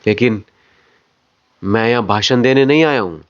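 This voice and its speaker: A man's voice: mid-range voice, natural voice. Man acting solemn factory heir, dull lo-fi audio. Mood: determined. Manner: slow, solemn, deliberate phrasing. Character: factory owner's son, solemn, confident, addressing employees.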